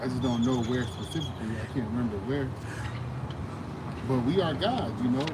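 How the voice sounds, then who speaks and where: A man's voice: mid-range voice, a little fast. A man preaching informally in conversation, with an earnest, emphatic manner, often repeating his phrases. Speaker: street preacher. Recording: loud outdoor traffic and ambient noise.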